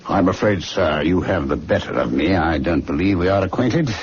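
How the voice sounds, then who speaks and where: An actor playing a prosperous white-haired doctor in a radio drama, formal and courteous but evasive and uneasy. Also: male voice, low-pitched, moderate pace, lightly acted. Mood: formal, brisk. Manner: polished, courteous, flustered when pressed. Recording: dull, noisy radio drama recording.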